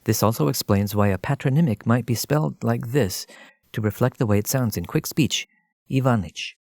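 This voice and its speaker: A man narrating a scripted language lesson as a teacher, explaining in a measured way and addressing the listener directly. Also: mid-range voice, gravelly, darkish tone, no echo, clean studio sound.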